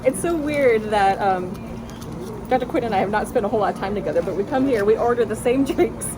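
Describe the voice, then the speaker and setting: A woman's voice: fairly high pitch, expressive, fast talker. A woman hosting a casual vlog, chatting and asking interview questions. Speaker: host and interviewer, therapist. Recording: clear vehicle and outdoor background noise.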